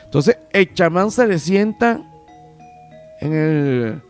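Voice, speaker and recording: A man's voice: fairly high pitch, animated, slow, smooth. A man with a Venezuelan accent hosting a comic podcast, rambling crudely and bickering with his own alter egos. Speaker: podcast host. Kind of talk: comic monologue. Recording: loud music and canned applause behind.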